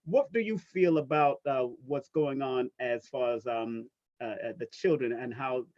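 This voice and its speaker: A man's voice: mid-range voice, a little slow. A man hosting a casual interview, joking playfully in slangy talk. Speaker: host. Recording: dull lo-fi sound.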